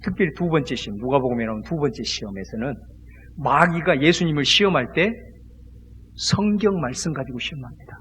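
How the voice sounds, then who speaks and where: A male pastor preaching a sermon, emphatic, leading the congregation in repeating lines after him, swinging between loud exclamations and hushed asides. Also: fairly high pitch, animated, fairly quick, long reverb tail, a little hiss or hum. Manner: emphatic preaching, leads the congregation in call-and-response repetition.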